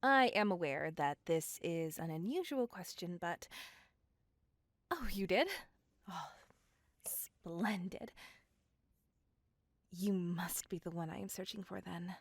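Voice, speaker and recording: A woman's voice: fairly low pitch, takes it slowly, long pauses, dry recording. A woman voicing a polite, possessive female vampire in an ASMR roleplay, speaking formally and often whispering close to the mic. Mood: courteous. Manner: formal, courteous old-fashioned speech; whispering intimately. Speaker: voice actor.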